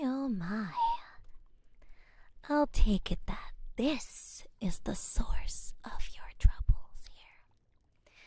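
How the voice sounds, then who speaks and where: A woman playing a wry, curious forest witch in a soft-spoken ASMR fantasy roleplay, musing and gently teasing in a breathy half-whisper. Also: on the high side, no echo, full character voice. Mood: intrigued. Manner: unhurried, hushed, musing, politely teasing. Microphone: close-up ASMR microphone.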